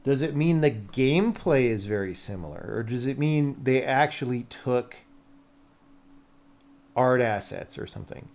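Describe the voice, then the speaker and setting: With lively intonation at a medium pitch, a slightly mellow tone and a somewhat slow pace, a game developer talks casually on his livestream. He thinks aloud while working and often quietly asks himself questions.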